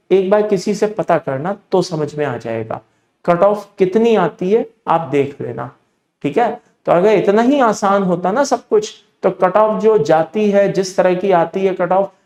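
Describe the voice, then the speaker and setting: A man's voice: high voice, darkish tone, reverberant. Emphatic Indian male chemistry teacher. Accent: Indian English. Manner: emphatic, repeats points, keeps checking in with students. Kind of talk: exam-prep lecture.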